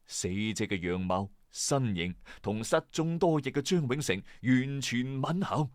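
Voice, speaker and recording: Hosting a late-night mystery story channel, this Hong Kong Cantonese-accented man delivers a scripted true-crime tale with suspenseful, dramatic flair and casual asides. He speaks in a mid-range voice. The audio is dry and studio-clean.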